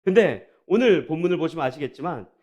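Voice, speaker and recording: Man, pastor, preaching a sermon, high voice, animated pitch, rhetorical questions, addresses congregation. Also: quick pace, dull audio. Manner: draws the congregation in, addressing them directly.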